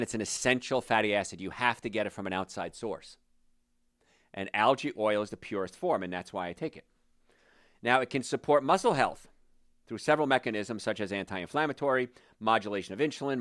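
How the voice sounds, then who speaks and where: A man's voice: mid-range voice, a bit bright, no room sound. Middle-aged guy talking health straight to camera, emphatic, plain-spoken, dry close sound. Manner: plain-spoken, emphatic, addresses the viewer directly. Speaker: health show host. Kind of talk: direct-to-camera health talk.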